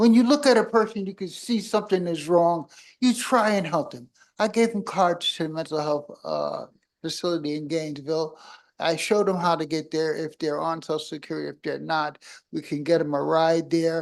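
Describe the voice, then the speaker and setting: A high-voiced man with an American accent, fairly quick pace and ordinary pitch variation against a quiet background. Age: 60s. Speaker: mental health advocate speaking at public comment. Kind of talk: public comment at city meeting. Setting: city commission meeting. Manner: halting.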